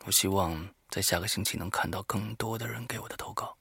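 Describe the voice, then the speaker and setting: A man talking informally and haltingly to listeners as the host of a horror story show, alone in a studio. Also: sits low, creaky, pushed and bright, slightly rough, no room sound. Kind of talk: informal spoken monologue to listeners.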